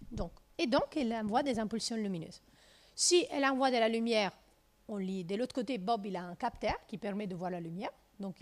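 A woman from southern Italy in her thirties with an Italian accent, giving a lively physics lecture in a lecture room through a handheld mic, with many fillers and restarts. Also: fairly high pitch. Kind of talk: lecture with slides.

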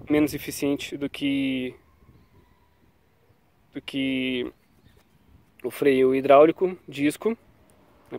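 Bike brakes are the topic as a cycling vlogger, nursing a cold, speaks casually into an action camera outdoors on a quiet paved road. His manner is loose and chatty, with "tá?" and "né?" tacked on as he trails off. He has a fairly high, slightly mellow voice, and there's no room sound.

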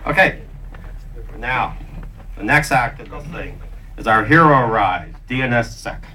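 A man's voice: medium pitch, animated, a little slow, bright, forceful tone. An older man hosting a live demonstration in a jokey, off-the-cuff explanatory style. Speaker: presenter hosting a staged demonstration. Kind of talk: informal live explanatory narration. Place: conference meeting room with an audience. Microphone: handheld mic, picked up by far camera. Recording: distant, noisy room camera pickup.

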